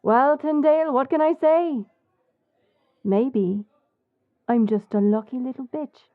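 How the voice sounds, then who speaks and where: A woman with an Irish accent playing a bold, sly smuggler captain in an audio drama, composed and cheeky in a measured way. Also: high voice, no room sound, phone-quality sound. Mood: wry, defiant. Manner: measured, deliberate. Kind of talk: audio roleplay acting with story narration.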